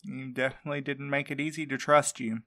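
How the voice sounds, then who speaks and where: A man's voice: medium pitch, flat delivery, fast talker, bright, forceful tone, close to an everyday voice. A man playing an exhausted, worried courier in an audio drama, earnest and weary in manner. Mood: subdued, earnest. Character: exhausted, worried male courier missing his partner. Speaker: actor in a fiction podcast. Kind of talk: naturalistic audio drama acting.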